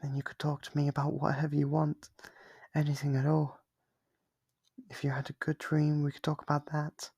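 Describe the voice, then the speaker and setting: Man voicing a breathy, obsessive lonely demon. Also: fairly high pitch, monotone, darkish tone, no echo. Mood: yearning, coaxing. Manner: intimate, coaxing, hesitant pauses. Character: lonely, devoted, obsessive sealed demon, tender and clingy. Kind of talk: ASMR roleplay monologue.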